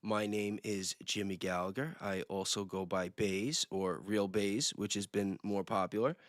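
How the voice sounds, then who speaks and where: A man's voice: fairly low pitch, steady tone, measured pace, no echo, clean studio sound. A man talking casually and informally on a livestream, using slang as he speculates. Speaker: livestream guest, self-described independent investigator.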